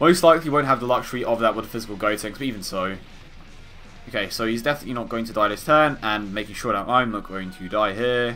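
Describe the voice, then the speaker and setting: Music plays in the background as a man speaks at a fairly quick pace and medium pitch, with ordinary pitch variation. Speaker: mobile game YouTuber. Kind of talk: gameplay commentary. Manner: fast; animated.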